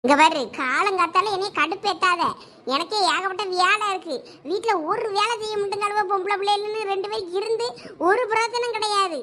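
Comedy sketch: woman playing a bossy village mother, high, rapid and bright. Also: fairly even intonation, slight background noise. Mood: nagging. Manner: scolding, rapid nagging. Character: scolding middle-aged village mother, overworked and sharp.

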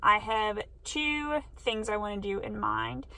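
A woman's voice: medium pitch, takes it slowly, creaky, no echo. A woman in her thirties casually narrating a travel vlog, chatty and upbeat, recorded on a close camera in a minivan and outdoors. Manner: chatty, upbeat, sometimes whispering softly. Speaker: travel vlogger.

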